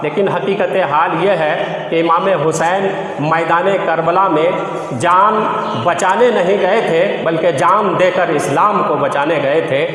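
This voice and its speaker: A man's voice: fairly high pitch, fairly bright tone. Heavily echoing male Muslim preacher. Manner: emphatic, repetitive explaining. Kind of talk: religious sermon in formal, Arabic-laced phrasing. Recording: very echoey, long reverb.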